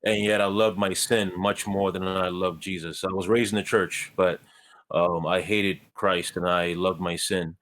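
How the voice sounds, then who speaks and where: A man from Ghana, a guest in a conversation, telling his life story in a measured, earnest way with light self-deprecating humor. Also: sits low, little pitch movement, a bit bright.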